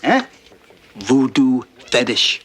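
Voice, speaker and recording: A man's voice: mid-range voice, wildly swooping pitch, slow pace, a bit bright, heavily acted. An actor playing a streetwise, wheedling sound effects man with a colloquial, salesman-like patter in a television drama. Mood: wheedling, defensive.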